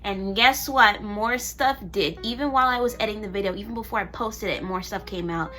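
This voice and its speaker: A woman's voice: mid-range voice, a little fast, pushed and bright. A young woman doing her makeup on camera in a casual vlog, talking bluntly and heatedly and swearing freely. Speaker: beauty vlogger.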